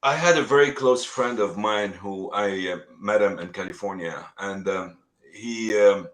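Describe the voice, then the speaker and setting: A middle-aged man from Lebanon, a real estate agent telling his story in an earnest, halting way full of restarts. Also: lowish voice, fairly bright tone. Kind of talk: casual interview talk.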